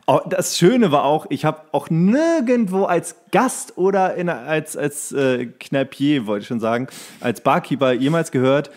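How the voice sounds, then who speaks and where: A man's voice: fairly high pitch, animated, measured pace, few pauses, a little mellow. A man co-hosting a casual podcast chat, telling anecdotes in colloquial, joking speech and acting out quotes. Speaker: podcast co-host.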